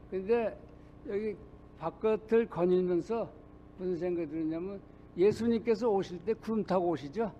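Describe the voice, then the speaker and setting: A man's voice: high voice, mellow, slight background noise. Older man preaching, dull lo-fi recording. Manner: personal storytelling, halting with many pauses. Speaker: pastor. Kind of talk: sermon. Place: church sanctuary.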